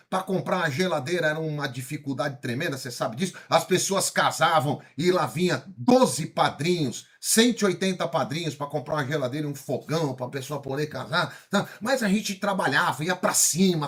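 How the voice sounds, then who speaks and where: A slightly rough, somewhat high voice belongs to a São Paulo man in his fifties speaking paulistano-accented Brazilian Portuguese. Energetic and moving at a moderate pace with hardly any pauses, he gives a motivational lecture, firing questions and frequent tag questions at his audience.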